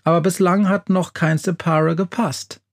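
A man voicing a big, hairy, soft-hearted male monster who loves fancy shoes, in a children's audio story. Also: sits high, normal speed, pitched above the performer's own voice. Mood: confiding. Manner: bashful, excitable, tearful.

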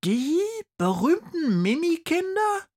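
A narrator voicing a young female polar bear pupil who asks high, astonished questions in an audiobook. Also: very animated, takes it slowly, a little mellow, exaggerated voice. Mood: amazed.

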